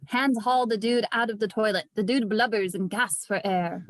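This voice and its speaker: A woman's voice: medium pitch, fairly even intonation, moderate pace, dry recording. A woman narrating scripted stage directions at a table read. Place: indoors, remote online read.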